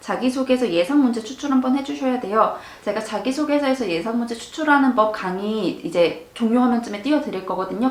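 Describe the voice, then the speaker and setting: Over noticeable background noise and audible room echo, a woman talks at a fairly quick pace, her fairly high pitch rising and falling with lively intonation. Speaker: job interview coach. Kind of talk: lecture. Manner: fast.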